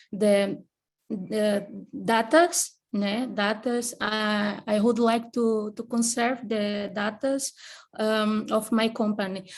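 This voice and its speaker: A woman student, asking a question haltingly and searching for words in English. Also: mid-range voice, creaky. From Portugal. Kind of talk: asking a question in an online session.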